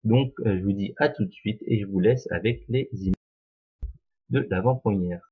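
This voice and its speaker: A man with a low, husky voice, hosting a homemade film vlog. He speaks casually and stops often to hesitate. The recording sounds dull and lo-fi. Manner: hesitant, full of "euh" pauses. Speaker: vlog host.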